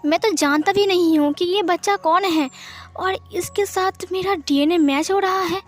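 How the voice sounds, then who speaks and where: A woman's voice: extremely high pitch, moderate pace, faint music behind, pitched above the performer's own voice. A woman voicing a shaken man who stammers in disbelief, reading it in her own storytelling voice. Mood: shocked. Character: shaken man, a stunned father.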